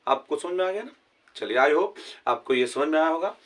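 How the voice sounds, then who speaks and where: A man teaching a grammar lesson with a Hindi accent, his voice sitting fairly high. He keeps asking rhetorical questions to check that his students follow. The mic is set a little way back, so he sounds distant. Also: lively intonation, normal speed, a bit bright. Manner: asks many rhetorical questions to check understanding. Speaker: English teacher.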